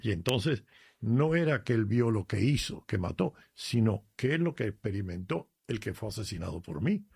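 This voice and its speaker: Un sacerdote cubano con acento cubano, que habla con fervor y cuenta anécdotas personales en un programa de radio. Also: male voice, fairly low pitch, very animated, normal speed, creaky, darkish tone, breathy edge, no room sound. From Cuba. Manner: earnest, emphatic, tells personal stories. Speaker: priest, regular guest. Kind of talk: radio chat on faith.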